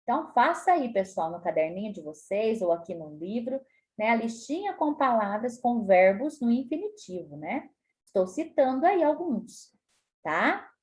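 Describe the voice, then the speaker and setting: A woman with a Brazilian Portuguese accent teaching a spelling lesson to children, explaining patiently and stretching words out slowly. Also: fairly high pitch, sing-song. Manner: slow, stretches words out syllable by syllable; frequent tag questions, patient explaining tone. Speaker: primary school teacher.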